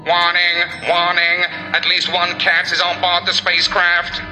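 A man's voice: sits high, completely flat delivery, measured pace, sharp tone, soft background music, voice pushed up, heavily acted, low-quality recording. A man voicing an urgent spacecraft alarm system in a children's storybook. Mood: urgent warning.

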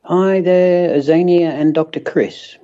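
A man's voice: sits high, steady tone, unhurried, warm tone. A man asking a wry, joking question in a recorded voice message played on air. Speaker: listener sending a question. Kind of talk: recorded voice note. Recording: dull lo-fi voice message.

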